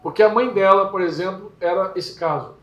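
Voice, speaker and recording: A man preaching at a small home gathering, telling stories lively and acting out characters. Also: high-pitched, a little fast, faint music behind. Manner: lively storytelling, acts out characters. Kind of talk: sermon. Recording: echoey room.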